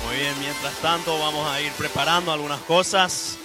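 Man interpreting live over clear music. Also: a little high, fairly even intonation, moderate pace. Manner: short translated phrases. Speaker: on-stage interpreter. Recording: live event with music behind.

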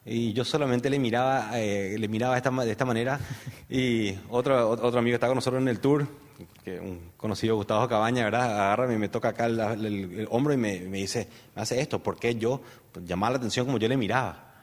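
A man with a Paraguayan Spanish accent tells his personal story as an interview guest. He rambles, with plenty of fillers and tag questions. His voice sits at a middle pitch, and a long reverb rings after it as if he were in a large hall. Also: fast talker. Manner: rambling storyteller, many fillers and "¿verdad?" tags.

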